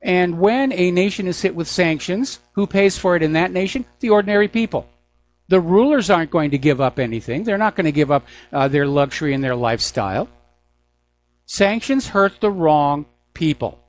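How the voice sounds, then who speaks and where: An older American man hosting a political news talk show, speaking in an opinionated monologue with deliberate, pause-broken phrasing. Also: fairly high pitch, animated. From United States.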